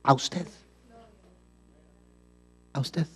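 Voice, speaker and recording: A man's voice: extremely slow, a bit bright. A male pastor preaching a sermon, emphatic and full of rhetorical questions to the congregation.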